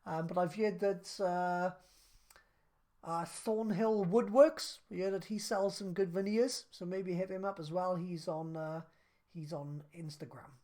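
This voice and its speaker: A man in his thirties on a live stream, reading out viewer questions and answering them in a relaxed, chatty way with lots of fillers. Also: sits high, unhurried. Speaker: craft business live streamer.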